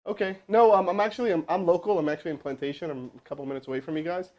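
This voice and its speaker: Man, sales trainer, live-stream host, energetic, casual, slightly high voice. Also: rapid-fire, dull audio. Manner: energetic, pumped-up, casual, with chatty asides. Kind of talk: hyped live-stream coaching and cold calling. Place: indoor room with crew present.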